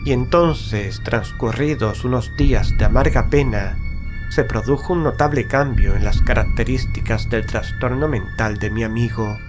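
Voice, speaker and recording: A man narrating a gothic horror story in the first person, in a measured, grave, literary manner. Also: medium pitch. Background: background music.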